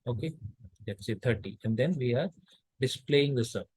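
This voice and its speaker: A man's voice: mid-range voice, moderate pace, a little mellow, slightly rough, no room sound. A man from India giving a recorded college lecture, explaining step by step with frequent fillers and restarts.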